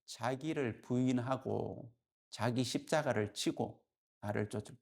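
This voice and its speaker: A male pastor preaching a sermon as lively storytelling, constantly checking in with the congregation. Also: mid-range voice, measured pace, gravelly.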